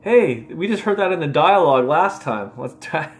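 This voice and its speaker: A man's voice: fairly high pitch, expressive, measured pace. A man casually studying flashcards aloud, repeating words and laughing at his own mistakes. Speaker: language learner vlogger.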